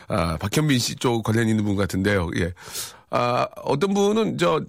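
A man's voice: mid-range voice, big pitch swings, moderate pace, gravelly, no echo, clean studio sound. A man hosting a radio show in casual chat, reading out listener messages with wry, chatty reactions.

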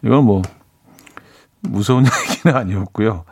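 In a studio, a man with a low-ish, husky voice hosts a radio show at normal speed, chatting casually, laughing at his own jokes, and reading listener messages. The studio-mic recording is dry.

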